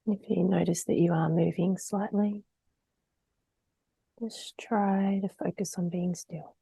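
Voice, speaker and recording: Husky, creaky woman guiding a meditation. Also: on the low side, fairly even intonation, no echo. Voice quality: soft, breathy, trailing into near-whisper. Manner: gentle, unhurried, with long pauses. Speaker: meditation guide. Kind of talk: guided meditation.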